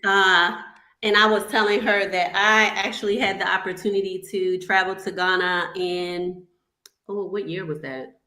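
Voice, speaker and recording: A woman's voice: medium pitch, level tone, moderate pace, sharp tone, reverberant. A woman hosting an interview show, chatty and enthusiastic as she welcomes and questions her guest. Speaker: podcast host.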